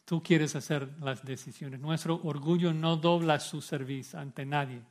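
A man's voice: fairly high pitch, fairly even intonation, measured pace. A male pastor preaching an expository sermon with emphasis, rhetorical questions and repeated phrases.

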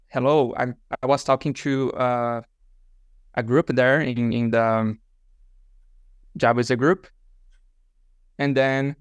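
A man talks slowly through his career story as an interview guest, pausing often with fillers. His voice is smooth and clear, his pace well below average. The sound is dry, with no room echo. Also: mid-range voice. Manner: unhurried storytelling with many fillers. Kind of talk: casual interview chat.

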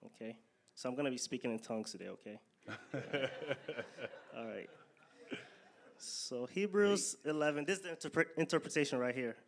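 A man's voice: medium pitch, normal speed, pauses often. A man from western Nigeria, a native Yoruba speaker with a Nigerian accent, reading scripture in church with informal asides. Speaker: scripture reader.

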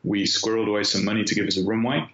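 A man's voice: lowish voice, fairly even intonation, rapid-fire, a bit bright. A middle-aged man talking casually as an interview guest, acting out his own thoughts as he tells his story. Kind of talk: casual conversational interview answers. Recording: muffled, roomy, echoing sound.

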